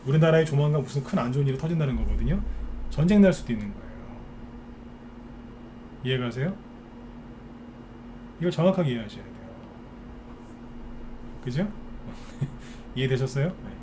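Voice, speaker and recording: A man's voice: medium pitch, expressive, normal speed, long pauses, warm tone, a little hiss or hum. A man giving a live stock market lecture, ranting bluntly and firing rhetorical questions at his viewers.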